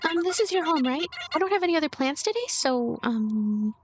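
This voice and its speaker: A woman's voice: sits high, animated, fairly quick, a little hiss or hum, voice pushed up. A woman voicing a timid, eager young nun in training in a game, speaking politely and hesitantly. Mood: shy, pleading.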